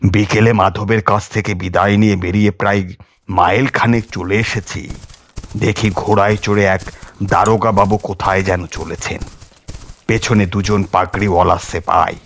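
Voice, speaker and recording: A man with a fairly low, steady, fairly bright voice narrates a horror audiobook at a moderate pace, theatrical and suspenseful. It's dramatic, scripted horror storytelling, with music in the background and a little hiss or hum.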